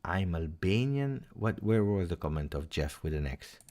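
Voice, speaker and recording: A man with an Italian accent chatting on a live stream as an emotional football fan, theatrical, with repeated phrases and dramatic pauses. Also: low-pitched, sing-song, mellow. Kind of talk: casual live-stream chat.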